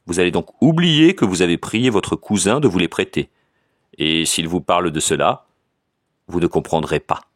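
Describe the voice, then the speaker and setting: A calm, assured doctor gives hypnotic commands in a low, steady voice, read by a man in an audiobook. The delivery is firm and unhurried. It is recorded dry and close. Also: no room sound. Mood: commanding.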